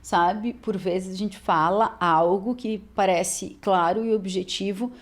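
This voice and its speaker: A woman hosts a podcast in a conversational style. Her voice sits at a middle pitch. She muses aloud and keeps checking in with her guest through short tag questions. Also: slow pace. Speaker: podcast host. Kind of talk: casual podcast interview.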